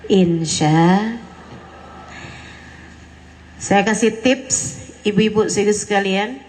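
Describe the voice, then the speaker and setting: A woman's voice: mid-range voice, very slow, a little mellow, poor audio. A woman preacher giving a sermon to mothers, earnest and mixing in casual everyday slang. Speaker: female preacher addressing mothers.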